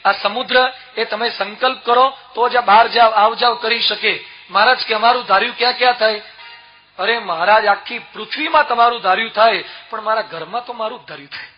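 A man with a Gujarati accent, a monk giving a sermon, telling stories with acted quotes and dropping to a soft voice at sad moments. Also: sits high, fairly quick, muffled recording. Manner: storytelling with acted quotes and sudden soft drops. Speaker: monk preacher.

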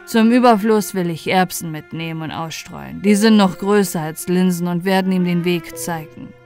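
A woman's voice: fairly low pitch, normal speed, darkish tone, soft background music, voice pushed down, lightly acted. A woman voicing a confident, reassuring woodcutter father in a fairy tale.

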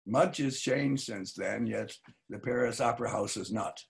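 An older man playing a wary, reflective novelist in a staged reading, speaking deliberately with some hesitation. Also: fairly low pitch, creaky. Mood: wistful, dramatic. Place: home study, video call.

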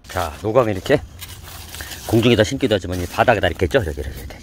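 A man's voice: fairly low pitch, lively intonation, rapid-fire, slight background noise. Folksy chuckling middle-aged man. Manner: folksy, chatty, repeats "like this" constantly, chuckles often. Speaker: host. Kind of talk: casual how-to talk on gardening and cooking. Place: home kitchen, earlier a vegetable field.

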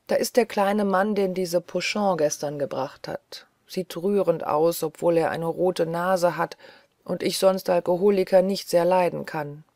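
Woman voicing a weary young woman doctor, restless pleading chatter, low pitch, gravelly edge, dry sound. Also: a little mellow, no echo.

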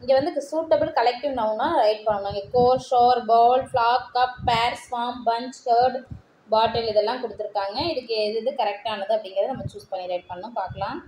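A woman teacher with a Tamil accent, explaining textbook answers and reading English sentences out slowly, word by word. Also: on the high side, darkish tone. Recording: echoey room with faint noise.

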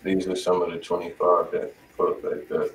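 A man's voice: low-pitched, monotone, brisk. A man hosting a music review stream in casual chat, slangy and profane. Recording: roomy, distant mic, faint noise.

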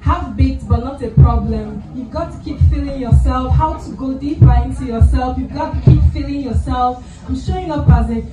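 Soft-spoken young woman reciting poetry. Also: high-pitched, lo-fi sound. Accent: Nigerian English. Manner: soft-spoken, measured, building to emphatic delivery. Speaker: spoken word artist. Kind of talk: spoken word poetry performance. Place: small lounge venue, indoors. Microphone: handheld mic, filmed by phone from the audience. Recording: roomy, distant, loud music behind.

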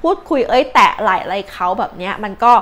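A woman's voice: medium pitch, animated, fast talker, a bit bright. A young Thai woman hosting her own advice vlog, chatting casually with many fillers and polite particles. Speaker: channel host, astrology and advice vlogger. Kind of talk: casual chatty explainer, translating tips.

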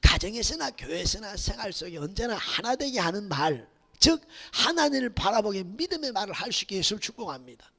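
Male pastor, lively up-and-down pitch, gravelly bright edge, shouts then hushes, long church reverb. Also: brisk. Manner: swings between loud shouted exhortation and hushed near-whispers, repeated hallelujahs. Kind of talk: Sunday sermon. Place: church sanctuary.

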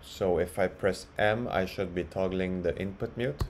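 A man presenting a casual software walkthrough, explaining step by step in a halting way. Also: sits low. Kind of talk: casual screen-share walkthrough. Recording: clearly audible background noise.

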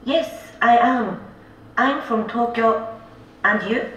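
A woman voicing a slow, polite textbook dialogue woman. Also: on the high side, fairly bright tone, a little hiss or hum. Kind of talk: scripted textbook audio dialogue. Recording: roomy, dull audio from far off.

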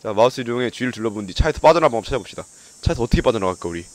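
A man streaming a video game live, commenting in an excitable, jokey way, often yelling and swearing. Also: medium pitch, rapid-fire, no echo.

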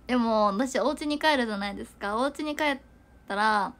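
A woman's voice: on the high side, fairly quick. A young woman chatting casually to viewers on a livestream, giggling and rambling with lots of fillers. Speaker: idol livestreamer.

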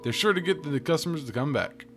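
A man voicing a hopeful, hapless animal ice cream vendor in a video game, making an earnest pitch. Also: animated, fast talker, close to an everyday voice. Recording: game music behind the voice.

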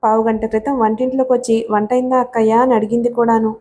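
Concerned sister-in-law, practical, narrator voice, highish. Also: female voice, level tone, fast talker, dark tone, close to an everyday voice. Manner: puzzled, practical.

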